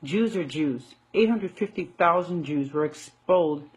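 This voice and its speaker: An American woman giving an unscripted opinion monologue in an emphatic, indignant, argumentative manner, with a husky voice. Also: sits low, expressive, unhurried, low-quality recording. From United States. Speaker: online video commentator.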